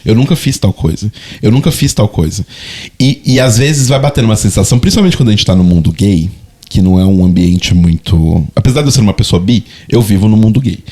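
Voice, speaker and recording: A Brazilian man in his thirties talks things over on his podcast in a slightly low voice. He speaks in a reflective, halting way and circles back over his own words. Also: expressive, mellow. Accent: Brazilian Portuguese. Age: 30s. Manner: reflective, hesitant, repeats words while searching for them. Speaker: podcast co-host. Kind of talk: casual chat.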